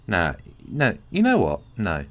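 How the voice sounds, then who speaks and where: A man playing a kindly, awkward, flirtatious tiny friend in an intimate ASMR roleplay, speaking gently and hesitantly with caring, teasing warmth. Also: low-pitched, wildly swooping pitch, a little slow, exaggerated voice. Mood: encouraging, shy. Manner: gentle, hesitant, bashfully rambling.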